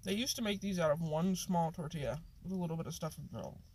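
A man's voice: on the high side, quick pace, darkish tone, husky. A man rambling casually in a food vlog, talking through a mouthful of food, recorded on a phone mic in a small room. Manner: rambling, filler-heavy, offhand. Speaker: vlogger.

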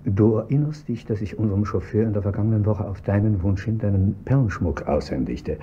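An actor playing a wealthy, courteous husband who talks in a fussy, slightly hesitant way, on a dull, faintly hissy radio-play recording. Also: male voice, on the low side, fairly quick, mellow, close to an everyday voice. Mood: concerned. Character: wealthy, genteel, trusting older husband. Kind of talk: 1970s-style German radio play acting.

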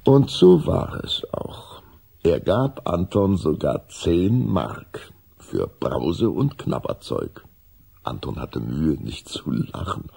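Deep, gravelly man narrating a story. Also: big pitch swings, slow pace, warm tone.

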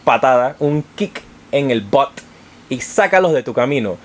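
A man's voice: mid-range voice, lively intonation, measured pace. A man hosting an informal tarot horoscope, addressing viewers directly in an affectionate, encouraging manner. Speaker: tarot reader and channel host.

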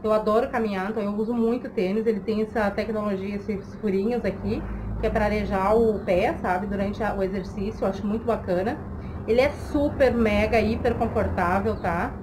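A woman's voice: mid-range voice, steady tone, brisk. A woman, chatting casually to camera as a vlogger and often checking in with the listener. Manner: conversational, frequent checking tags to the listener. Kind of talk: casual chat to camera, giving tips. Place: small room at home, indoors. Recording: clearly noisy home recording.

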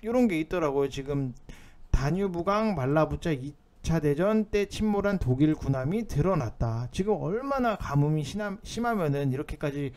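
A man explains stock market matters informally over on-screen notes, insistent and a bit urgent in his delivery. His voice runs a little high and slightly mellow, expressive at a normal pace.

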